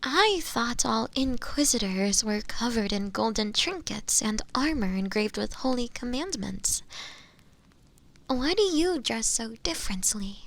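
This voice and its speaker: A voice actor plays a meek imprisoned witch in a fantasy audio drama, pleading with the listener and feigning frail innocence. Her slightly high voice is bright and lively, and her halting, deferential, old-fashioned formal speech often turns breathy, nearly whispering. She sounds apologetic and awed.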